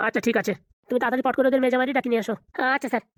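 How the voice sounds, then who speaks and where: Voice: mid-range voice, level tone, very fast, dry recording, clean studio sound, pitched below the performer's own voice, lightly acted. A voice artist voicing a lazy police officer and his constable in a cartoon. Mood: scheming.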